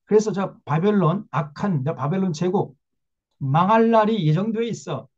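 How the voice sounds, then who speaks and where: A man's voice: high voice, expressive, normal speed, highs cut off. A man voicing God as a stern male figure who answers bluntly and scolds, in a sermon.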